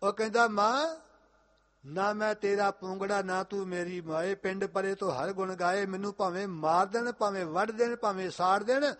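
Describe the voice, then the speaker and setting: Guy with a high voice preaching a sikh katha, stresses every line, chants verses slow. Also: fairly even intonation, a bit bright. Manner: emphatic, repeating lines with rising force.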